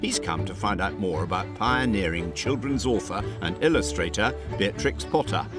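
Male voice-over, dry teasing asides, lively pitch, lowish. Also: moderate pace, over music. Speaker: narrator. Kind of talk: scripted TV narration. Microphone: studio voice-over.

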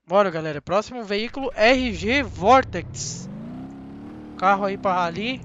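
A young man with a Brazilian Portuguese accent giving chatty, excitable commentary on a driving game straight to his viewers. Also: high voice, unhurried, lo-fi sound, slight background noise. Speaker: gaming channel host. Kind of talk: casual gameplay commentary.

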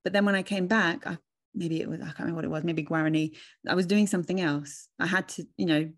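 A woman in her thirties hosting a relaxed, thoughtful chat over a video call, speaking into a studio microphone with headphones on at home. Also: lowish voice, quick pace. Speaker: host. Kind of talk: casual conversation. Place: home room with bookshelves, indoors. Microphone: studio mic with headphones on a video call.

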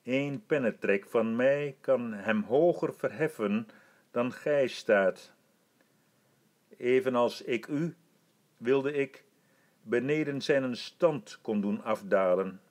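Stately old emperor, gracious and commanding, very unhurried; a man doing the voice. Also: medium pitch, natural voice. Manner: stately, measured and formal. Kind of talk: audiobook reading.

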